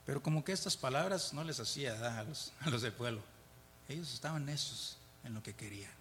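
A man speaks a little fast in an expressive, medium-pitched voice that's a bit bright. Leading a conversational Bible study in a reverberant hall, he reads and explains verses, often checks in with "¿verdad?" and chuckles between points, with slight background noise.

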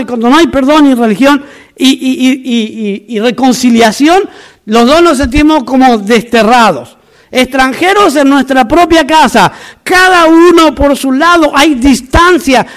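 A man's voice: very high voice, normal speed, fairly bright tone. A man from Argentina preaching a sermon as a pastor, emphatic and repetitive, with humorous asides.

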